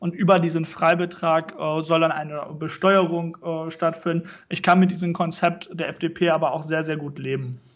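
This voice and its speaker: This man has a high pitch and a monotone, flat intonation. He talks at a moderate pace. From North Rhine-Westphalia, Germany (Gütersloh district). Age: 20s. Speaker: youth political organisation leader. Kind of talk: interview. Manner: frequent filler sounds (äh).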